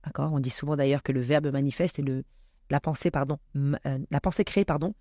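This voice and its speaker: A woman speaking as a podcast guest, reflecting on spiritual matters with many pauses and fillers. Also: deep voice, fairly even intonation, dark tone, no room sound, studio quality.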